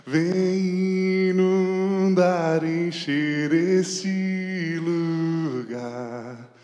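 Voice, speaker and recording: A man with a São Paulo accent singing a slow worship song, played as a recording. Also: high-pitched, fairly even intonation, a little mellow, echoey room, in a large hall, soft background music. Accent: São Paulo Portuguese. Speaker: worship singer.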